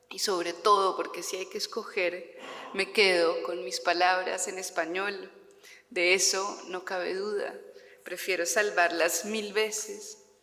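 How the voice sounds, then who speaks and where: Talking very slowly with a Colombian accent, a woman uses monotone, flat intonation at a medium pitch while the room echoes audibly. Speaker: poet. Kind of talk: poetry reading. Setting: public reading with audience.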